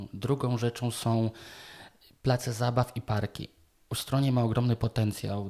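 Here a man talks at a moderate pace and medium pitch. His tone is dark and mellow, his intonation monotone and flat. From Poland, Radom; Poland. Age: 30s. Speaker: political candidate; candidate. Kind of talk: interview. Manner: halting. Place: home room. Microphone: studio mic.

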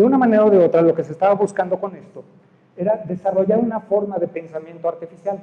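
A man speaks with a Mexican accent and ordinary pitch variation. His pace is fairly quick. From Mexico. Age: 50s. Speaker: technology executive; conference presenter. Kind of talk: conference talk. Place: hall.

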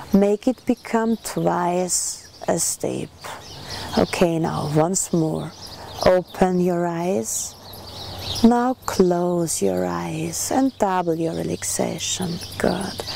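A woman with an Austrian accent, a warm, soothing tone and a very slow pace, over light background noise, in a dry sound with no echo. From Austria, Vienna. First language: German. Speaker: hypnotherapist and relationship coach. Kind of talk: guided hypnosis induction, slow suggestive instructions to relax and deepen trance. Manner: slow, soothing, hypnotic pacing with counted-down cues; warm, intimate, affectionate address to the listener. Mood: calm, soothing. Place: garden.

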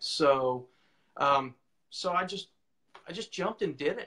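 A man's voice over noticeable background noise. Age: 40s. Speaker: leadership coach. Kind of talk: casual interview chat. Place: home room. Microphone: video call.

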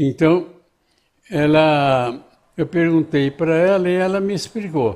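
Against a quiet background, a man with a fairly high pitch speaks at a very slow pace, with ordinary pitch variation and long, frequent pauses. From São Paulo state, Brazil. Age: 80s+. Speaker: spiritist elder; interviewee. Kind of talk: interview, life story. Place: home room. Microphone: lapel.

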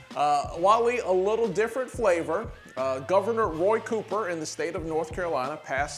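Faint music sits in the background as a man talks at a moderate pace. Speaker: sports show host. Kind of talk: presenter intro and interview questions. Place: studio. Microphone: lapel.

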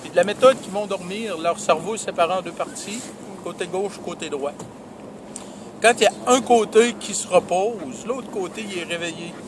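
At a moderate pace with ordinary pitch variation, the voice sounds dry with no echo, though background noise is noticeable. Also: man. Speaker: whale-watching cruise guide. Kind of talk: guided tour commentary. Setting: outdoors. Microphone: phone near.

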